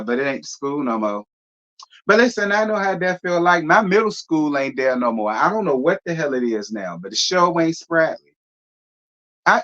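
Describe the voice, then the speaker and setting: A man in his thirties, casually streaming, reads viewer comments out loud and answers them sassily in a drawl, often breaking into laughter. His medium, fairly bright voice comes through a muffled recording.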